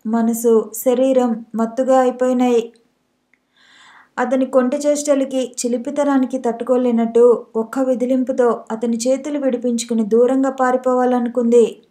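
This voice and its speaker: Give me a woman narrating an audiobook with an even, mellow tone. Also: fairly high pitch, normal speed. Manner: steady storytelling. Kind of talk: scripted narration.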